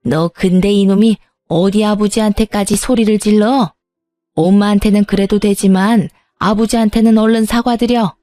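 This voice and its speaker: A woman's voice: medium pitch, fairly even intonation, normal speed, dark tone, no echo, soft background music, close to an everyday voice. A woman voicing a cold, scornful older mother-in-law in a narrated story. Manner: curt, scornful.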